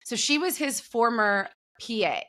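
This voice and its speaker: Bright-voiced young woman chatting gossip. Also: fairly high pitch, expressive, unhurried. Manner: chatty, gossipy, laughs easily. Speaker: podcast guest. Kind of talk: casual pop culture chat. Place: home room. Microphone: video call with earbuds.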